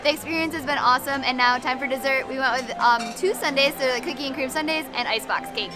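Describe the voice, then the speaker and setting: A woman's voice: high voice, quick pace, music in the background. A woman in her thirties, hosting a casual travel vlog with upbeat enthusiasm, filmed on a handheld camera indoors on a cruise ship. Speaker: vlog host. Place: cruise ship dining room, shops and theater, indoors. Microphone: handheld camera at arm's length.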